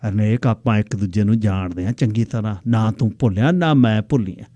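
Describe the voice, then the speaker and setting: A man voicing a lively, teasing woman, an old schoolmate, who talks boldly and mocks playfully. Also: lowish voice, a little fast, no echo, natural voice. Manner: bold, playful, mocking. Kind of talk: storytelling with acted dialogue.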